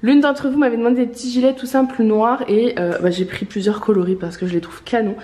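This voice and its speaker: A woman's voice: on the high side, steady tone, quick pace, darkish tone, echoey room, slight background noise. A woman who owns a clothing shop, chatting casually in a try-on vlog, her voice congested from a lingering cough, with many fillers and eager praise for outfits. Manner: chatty, filler-heavy, enthusiastic about outfits. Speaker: online clothing shop owner. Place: indoors, in front of a mirror.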